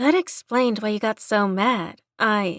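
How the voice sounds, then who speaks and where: A woman's put-on character voice, fairly high in pitch and fairly slow in pace. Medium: read story. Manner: blunt, cheeky.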